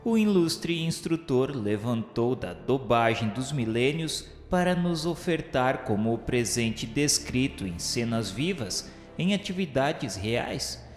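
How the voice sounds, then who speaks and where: A man delivers grandiloquent scripted narration for a radio drama. His medium-pitched voice is solemn and declamatory, phrased like formal literature. It rings with the echo of a large hall, over faint music. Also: very animated, slow pace, few pauses.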